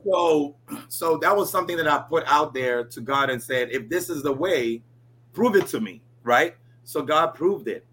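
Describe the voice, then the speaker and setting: Bright-voiced man in his forties, from Ghana. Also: fairly high pitch, expressive, normal speed, breathy edge. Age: 40s. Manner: chatty, frequent "you know" and "right?". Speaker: interview guest. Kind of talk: casual storytelling interview.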